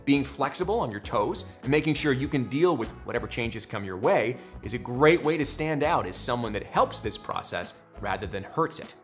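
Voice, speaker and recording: A man's voice: mid-range voice, lively intonation, normal speed, few pauses, a bit bright, faint music behind. A man, a voice actor, giving a scripted tutorial with wry, jokey asides and emphatic explanations. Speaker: voice actor teaching anime dubbing.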